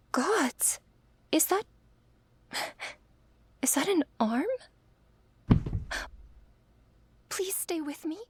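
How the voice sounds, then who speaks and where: A woman playing a young female angel in training, earnest and hesitant, in a soft, breathy ASMR role-play. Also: very high voice, slight background noise, exaggerated voice. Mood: panicked, pleading.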